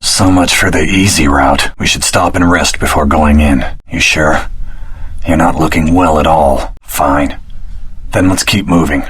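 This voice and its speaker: A man playing an earnest, determined swordsman hero in a video game, speaking in a measured, serious way with a husky voice. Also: very deep voice, steady tone, fairly bright tone, full character voice. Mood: calm, determined. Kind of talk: video game voice acting, cutscene dialogue.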